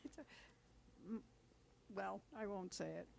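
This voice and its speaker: A woman in the audience asking a hesitant, halting question after a talk. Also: mid-range voice, animated, creaky, a little mellow, slight background noise.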